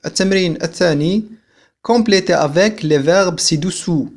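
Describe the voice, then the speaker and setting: A man from Algeria with a somewhat high voice teaches a video language lesson. He drills each example sentence slowly and repeats it before explaining it in Arabic. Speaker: French teacher.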